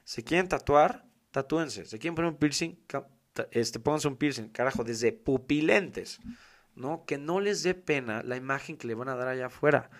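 A man's voice: medium pitch, normal speed. A man with a Mexican accent hosting a podcast, giving a casual monologue in an emphatic, slangy way and repeating his key points. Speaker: podcast host.

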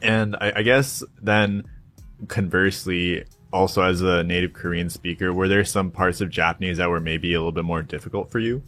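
Lowish-voiced man, relaxed podcast chat. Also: normal speed, soft background music. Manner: informal, often chuckles through phrases. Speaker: podcast host. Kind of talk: casual podcast conversation.

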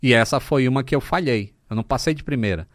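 Relaxed Brazilian man in his fifties. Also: medium pitch, fast, no echo, studio quality. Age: 50s. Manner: relaxed storytelling with fillers. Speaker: podcast guest. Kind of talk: casual chat.

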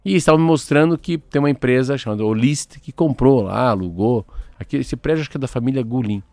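A middle-aged man from co-hosts a talk show in loose, animated chat. He rambles and trips over repeated words. His voice is mid-pitched, and the recording is dry and close-miked. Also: fast, no room sound. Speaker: radio talk show co-host. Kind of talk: casual chat, commentary.

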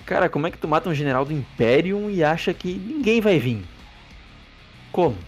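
A man's voice: on the high side, expressive, fairly quick, breathy edge. A man with a Brazilian Portuguese accent hosting a casual movie review podcast, sarcastic and profane, rambling with restarts. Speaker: podcast host. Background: faint background music.

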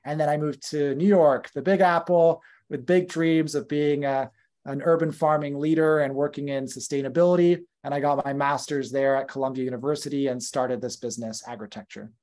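Talkative North American man, slightly high voice. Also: steady tone, fairly quick, a little mellow. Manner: conversational, with fillers and self-corrections. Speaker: podcast guest, company founder. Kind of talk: casual podcast interview.

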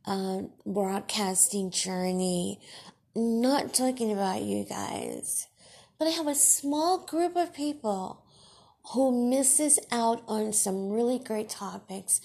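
A woman podcast host and radio broadcaster with Farsi as her first language, talking in a deliberate, emphatic monologue that scolds her critics. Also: medium pitch, creaky, mellow.

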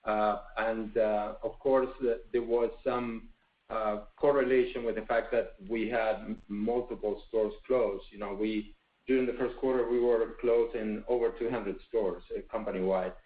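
A man's voice: lowish voice, steady tone. Man, company executive, unscripted answer, hesitant delivery with fillers, phone-like line, roomy. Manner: halting, filler-heavy, with many pauses. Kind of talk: unscripted answer on an earnings call. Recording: phone-like, echoey conference line.

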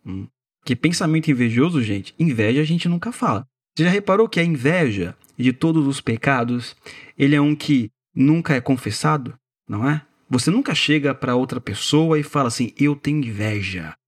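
A man's voice: mid-range voice, animated, moderate pace. A man with a Brazilian Portuguese accent giving a casual Christian reflection as a podcast host, talking conversationally and putting rhetorical questions to the listener.

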